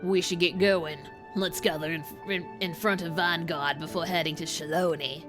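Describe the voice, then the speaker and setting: A woman's voice: fairly low pitch, steady tone, moderate pace, over music, voice pushed down, lightly acted. A woman voicing a wry, down-to-earth adventuring man in a video game, with a dry, teasing delivery. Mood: brisk.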